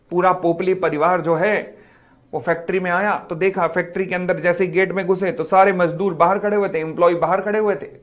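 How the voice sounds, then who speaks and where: A middle-aged man teaching a live online class, telling a story and acting out the dialogue while teasing his students. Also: high-pitched. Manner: animated, acts out dialogue, teases students. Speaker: commerce teacher.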